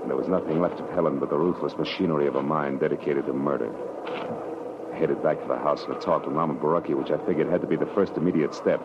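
An actor playing a tough, wry private eye in a 1940s radio detective drama, clipped, commanding and sardonic. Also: male voice, a bass voice, fairly even intonation, fast. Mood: grim, brooding. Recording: muffled old radio recording, clear hiss.

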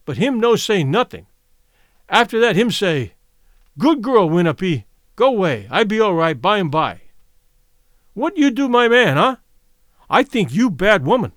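A man's voice: sits high, very animated, slow pace, long pauses, a bit bright, no room sound, clean studio sound, heavily acted. A man reading an audiobook, voicing a fierce young Native woman who speaks blunt, broken English. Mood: accusing.

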